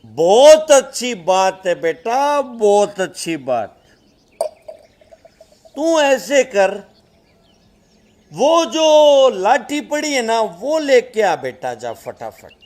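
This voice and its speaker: A man playing a cruel, threatening drunkard father in a melodrama, scolding his family in a menacing, drawn-out way. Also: very high-pitched, sing-song, a little mellow, full character voice. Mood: falsely sweet, sinister. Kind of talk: melodramatic Hindi drama acting.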